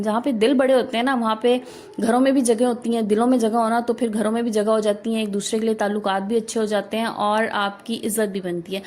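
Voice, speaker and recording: A woman's voice: on the high side, a little mellow. A woman in her thirties from Pakistan, speaking with a Pakistani Urdu accent, gives earnest, instructive family advice straight to her viewers in a casual vlog. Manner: earnest, instructive, addresses viewers directly with frequent rhetorical "na". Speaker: housewife vlogger. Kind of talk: advice talk to camera.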